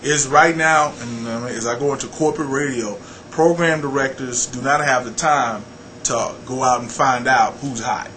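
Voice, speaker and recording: A middle-aged American man talking casually as an interview guest, blunt and animated, repeating phrases for emphasis. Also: mid-range voice, normal speed, a little hiss or hum. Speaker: radio personality and program director, interview guest.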